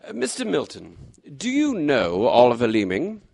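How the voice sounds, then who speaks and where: A man playing a composed, courteous gentleman detective in a radio mystery, speaking formally and precisely. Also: medium pitch, huge pitch swings, normal speed, gravelly, full character voice. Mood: courteous, assured. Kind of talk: radio mystery drama acting.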